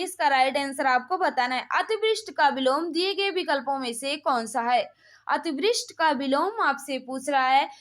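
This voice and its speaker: Female online exam-prep teacher, high voice; brisk quizmaster delivery with repetitive prompts. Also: fairly bright tone. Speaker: online exam-prep teacher running a live quiz class. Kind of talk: live quiz lesson, reading questions and confirming answers.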